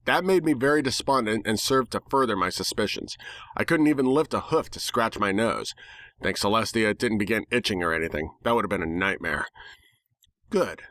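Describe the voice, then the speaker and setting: A man's voice: on the low side, a little fast, a bit bright, no room sound, studio quality. A man reading a first-person story aloud as a dramatic narrator, with a sardonic, irreverent manner. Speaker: narrator reading fan fiction.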